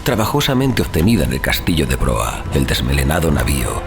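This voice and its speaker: A man giving a dramatic, measured and expressive narration of a horror story at sea. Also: extremely low pitch, gravelly. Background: music.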